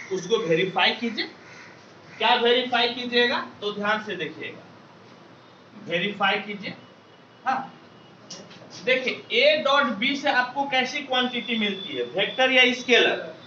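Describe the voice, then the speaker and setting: High, bright teacher drilling a class. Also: male voice, recorded from a distance, a little hiss or hum. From Bihar. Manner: call-and-response drilling, loud repeated questions to the class. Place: classroom with students. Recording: echoey classroom recorded from afar, dull sound.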